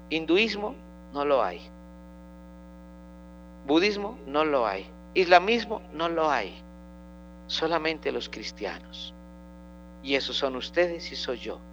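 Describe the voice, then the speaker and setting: A man's voice: a little high, sing-song, slow, pauses often, fairly bright tone. A man speaks as a Catholic priest, preaching and leading prayers in a solemn manner. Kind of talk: homily and liturgical prayer. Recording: dull lo-fi sound with mains hum.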